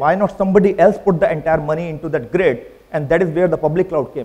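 The man's voice is high in pitch and dark and mellow in tone, moving at a fairly quick pace. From India. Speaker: tech company executive. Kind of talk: conference keynote. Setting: stage with audience. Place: hall. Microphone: lapel.

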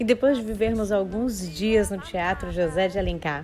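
Against background music, a woman speaks at medium pitch and a moderate pace with ordinary pitch variation. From Fortaleza, Brazil. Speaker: interviewer and show host. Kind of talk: show narration.

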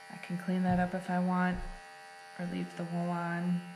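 A woman at a fairly slow pace with light background noise. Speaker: rabbit breeder. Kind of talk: tutorial. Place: kitchen.

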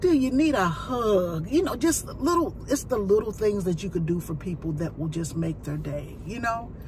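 A woman speaks at a moderate pace. The sound is dry with no echo, but noticeable background noise is present. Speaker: vlogger. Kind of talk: casual vlog chat. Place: car. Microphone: phone near.

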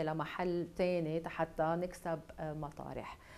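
A woman's fairly low-pitched voice with a Lebanese accent. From Lebanon. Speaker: TV presenter; TV host. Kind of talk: talk show. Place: studio.

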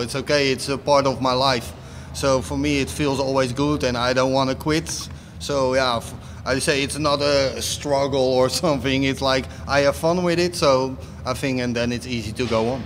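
In a Dutch accent, a man speaks with ordinary pitch variation. Light background noise can be heard. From Netherlands. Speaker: death metal musician. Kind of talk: casual interview. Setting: at a metal festival. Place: tent. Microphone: handheld.

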